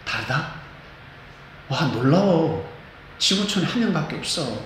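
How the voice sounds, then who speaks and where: A man voicing a chatty guardian angel who gossips about the person it protects, in a lowered, conversational voice. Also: very animated, measured pace. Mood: amused chatter. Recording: echoey church hall, faint noise.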